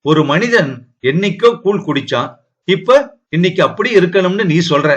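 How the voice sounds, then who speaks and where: A defensive young husband answers with bitter sarcasm, read by a man narrating a novel. The voice is a little high and stays close to a plain reading voice. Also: animated, moderate pace, highs cut off. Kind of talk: audiobook character reading.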